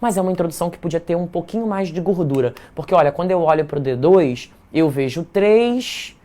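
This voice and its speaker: A man's voice: on the high side, fast, dark tone. Chatty Brazilian man teaching a live class. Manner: chatty, playful, tags remarks with "tá?". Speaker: essay-writing teacher.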